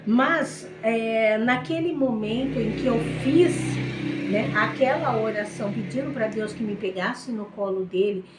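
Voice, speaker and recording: Emotional Brazilian woman, higher voice. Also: a little slow, roomy sound, music in the background, rough recording. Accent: Brazilian Portuguese. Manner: emotional, repetitive, keeps turning to the listeners. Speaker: testimony speaker. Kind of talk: personal faith testimony.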